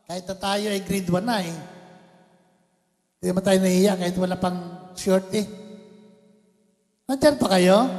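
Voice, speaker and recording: A man's voice: very high-pitched, in a large hall. A man preaching a sermon as pastor, playful, often asking the congregation questions. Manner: preaching in Tagalog mixed with English, playful, asks the congregation questions. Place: church.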